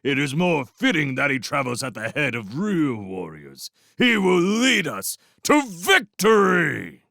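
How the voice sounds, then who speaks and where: A man's voice: fairly high pitch, big pitch swings, measured pace, creaky, bright, forceful tone, no room sound, studio quality, voice pushed up, full character voice. A man voicing a cruel male rat warlord who sneers and boasts, then bursts into roaring tirades, in a storybook reading.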